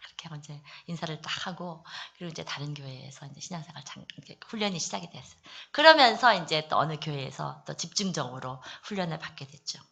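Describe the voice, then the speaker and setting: A woman from the Daegu area giving an earnest church testimony, confiding and personal, with many soft fillers. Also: low voice, animated, fast, gravelly, hardly any pauses. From Daegu, South Korea. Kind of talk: testimony at a prayer meeting.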